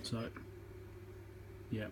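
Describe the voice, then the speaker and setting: Man giving hands-on tutorial, noisy background. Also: drawn-out words. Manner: matter-of-fact, thinking aloud while working. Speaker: electronics repairer demonstrating. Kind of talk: informal hands-on tutorial commentary. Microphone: phone on a tripod.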